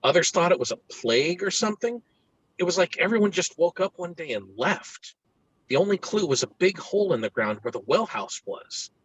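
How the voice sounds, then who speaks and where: A man's voice: high-pitched, big pitch swings, fairly quick, slightly rough, no echo, full character voice, poor audio. A man reading an earnest, awkward, bookish new-kid boy in a screenplay table read, with hesitant, informative delivery. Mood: eager, awkward.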